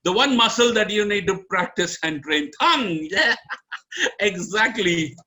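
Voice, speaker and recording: A man teaching a live online public speaking lesson, animated and coaxing, swinging his pitch up and down for emphasis as he talks straight to his audience. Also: a little slow.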